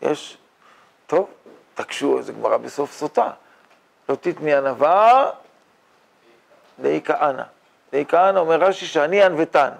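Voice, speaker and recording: An older man, a rabbi, teaching a Torah class in a yeshiva study hall, animated and full of rhetorical questions. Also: a little high, creaky, long pauses. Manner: animated, rhetorical questions, mock-boastful asides. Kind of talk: Torah lecture.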